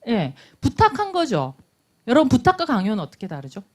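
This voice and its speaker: A middle-aged woman gives a lecture on communication in a classroom, her pitch rising and falling with animation. She keeps slipping into short acted-out exchanges to make her points. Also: a little fast. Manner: lively, acts out everyday dialogues in little voices. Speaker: nonviolent communication instructor. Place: lecture room.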